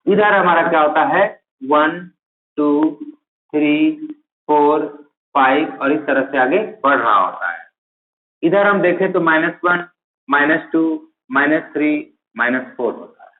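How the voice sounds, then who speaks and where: A man with a fairly high voice delivers a classroom-style math lesson, firing questions at his students and answering them himself. The recording is thin and phone-like, with an echoey room around him. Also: expressive, measured pace. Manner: asks a question then answers it himself, repeating key terms. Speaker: math teacher for teaching exams.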